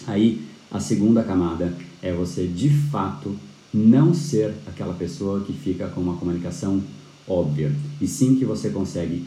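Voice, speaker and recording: Male instructor, low and warm, animated live-class delivery with a roomy echo. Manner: animated, frequent tag questions, restarts. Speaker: persuasion course instructor. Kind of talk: live-streamed lecture.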